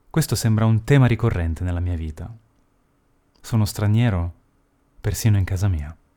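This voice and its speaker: A man with a fairly low pitch and a dark, mellow tone speaks at a moderate pace with ordinary pitch variation and long, frequent pauses. The recording is very clean, the background silent. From France and Italy. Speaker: actor. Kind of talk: personal storytelling.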